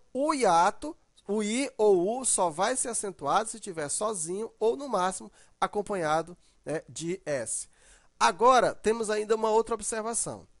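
A man's voice: sits high, dry recording. Dry-voiced male teacher. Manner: explanatory, repeats checks like "ok" and "ó". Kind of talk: recorded grammar lesson.

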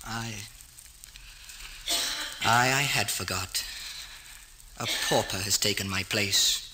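A man's voice: fairly low pitch, takes it slowly, bright, forceful tone, full character voice. An actor playing a proud young exiled king, imperious and theatrical, with archaic speech in old radio drama style. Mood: bitter. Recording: hissy old radio recording.

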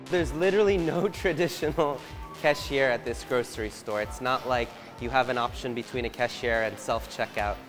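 A man's voice: mid-range voice, moderate pace, poor audio. A man in his thirties reporting on location, chatting curiously as he walks through a large supermarket with a handheld camera. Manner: chatty, curious walk-through while shopping. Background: background music.

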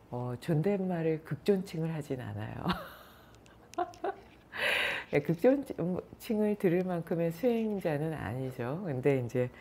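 A woman meditation yoga teacher telling stories in a soft-spoken, unhurried way. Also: low voice. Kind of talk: storytelling talk.

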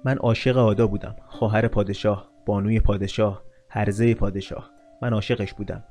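A man's voice: lowish voice, fairly even intonation, mellow, soft background music, natural voice. A man voicing an arrogant, desperate nobleman who hurls insults, then pleads and confesses in an audiobook reading. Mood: confessing.

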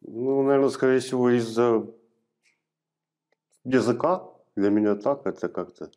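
A man in his thirties from eastern Ukraine, giving hesitant, halting answers in an interview in a small office, recorded on a lapel mic. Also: mid-range voice, a little mellow. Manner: hesitant, halting, plain-spoken. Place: small office room, indoors. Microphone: clip-on lapel mic.

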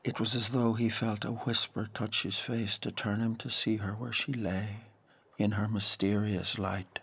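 An actor with a Northern Irish accent playing a grave narrator in a literary audio drama, telling the story in a measured way. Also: male voice, fairly low pitch, little pitch movement, gravelly, a bit bright, breathy edge, full character voice. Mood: hushed wonder. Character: grave male narrator recalling a boy's haunting encounter.

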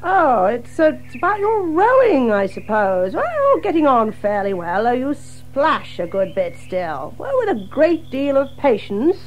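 An actor playing a kindly, sensible gentleman water rat, affable and chuckling, in a children's audio drama. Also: extremely high pitch, wildly swooping pitch, a little slow, hardly any pauses, slight background noise, heavily acted, poor audio. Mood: indulgent.

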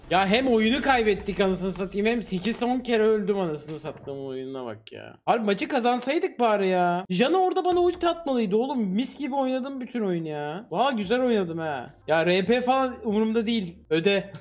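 A young man streaming a game, chatting with a teammate in an exasperated, animated, slangy way. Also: sits high. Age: young adult. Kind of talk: live gameplay commentary and casual chat with teammate. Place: indoor gaming room. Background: game music and sounds.

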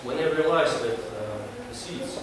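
A young man from Kazakhstan delivers a prepared speech to a club audience in a small meeting room, his mid-range voice unhurried, earnest and hesitant, full of fillers. A distant camera with no mic picks him up, so the room sounds echoey and noisy.

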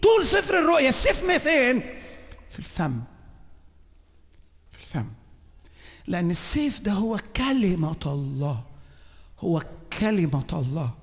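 A man with an Egyptian Arabic accent preaching a sermon at a conference, swinging between shouting and hushed whispers. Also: sits high, big pitch swings, normal speed, long pauses, big-room sound. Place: large conference hall.

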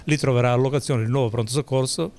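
Fast-talking, businesslike middle-aged man. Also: mid-range voice, steady tone, a little mellow, slight background noise. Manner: businesslike, explaining figures. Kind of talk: news interview. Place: hospital entrance at night.

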